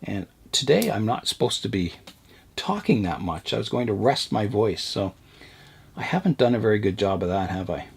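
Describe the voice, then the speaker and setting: Hoarse chatty man pruning bonsai. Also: lowish voice, lively intonation, moderate pace. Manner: rambling, chatty, talks while pruning. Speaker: bonsai channel host. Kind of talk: casual narration while working.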